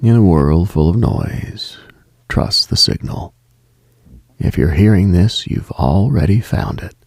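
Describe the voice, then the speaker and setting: A man hosting a late-night radio show, speaking a slow reflective monologue in a hushed, half-whispered delivery. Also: deep voice, expressive, no echo.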